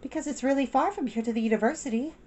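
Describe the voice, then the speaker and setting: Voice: sits high, racing, a little mellow, voice pushed up. A storyteller voicing an earnest, responsible older-sister girl in a children's story. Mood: matter-of-fact.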